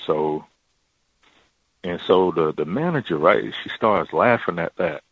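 A man calling in to describe his workplace, talking in a halting way with many fillers and restarts, in a deep voice. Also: animated, breathy edge, dry recording, narrow, tinny audio. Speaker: caller. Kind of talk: casual call-in account.

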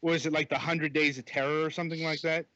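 A man co-hosting a laid-back game review chat, halting often with fillers and restarts. His voice sits fairly high and bright. It comes through a dull, lo-fi phone microphone with no room sound. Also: flat delivery, dry recording. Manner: hesitant, many fillers and restarts. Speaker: podcast co-host reviewing games. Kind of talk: casual chat.

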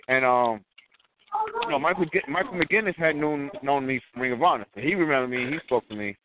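Animated man telling stories over a phone line. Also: mid-range voice. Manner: animated, acts out quotes in a raised voice. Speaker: guest wrestler. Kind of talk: casual storytelling chat. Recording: tinny phone-line audio.

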